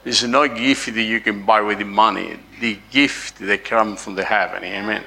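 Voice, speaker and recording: A man's voice: fairly low pitch, steady tone, gravelly, bright, forceful tone, breathy edge. A man preaching a sermon, repeating his points and punctuating them with "Amen," drawing out key words. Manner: slow, drawn-out emphasis on key words.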